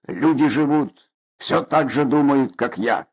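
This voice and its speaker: A man voicing a hot-tempered middle-aged father from the Caucasus, loud, blustering and sarcastic, on a dull lo-fi recording. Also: medium pitch, unhurried, husky. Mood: scornful.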